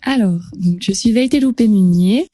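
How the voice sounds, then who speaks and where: A woman in her twenties, a pageant contestant, chatting casually in a radio interview with relaxed hesitations and easy laughter. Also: medium pitch, unhurried, dry recording. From French Polynesia. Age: 20s. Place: radio studio.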